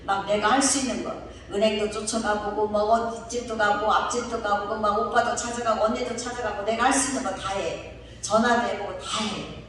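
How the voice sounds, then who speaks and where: A woman pastor giving a lively sermon, posing rhetorical questions to her congregation. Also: medium pitch, brisk. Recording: echoey hall, distant mic, faint hiss.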